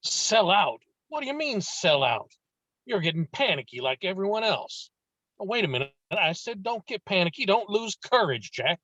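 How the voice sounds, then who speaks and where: A man acts out a domineering 1920s businessman and father at a script read. He is brusque and insistent, with a hard, bright edge to his voice. The sound is close and dry, with little room to it. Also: high voice, sing-song, moderate pace, no room sound, lo-fi sound, heavily acted. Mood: agitated, urgent. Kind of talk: table read of a screenplay.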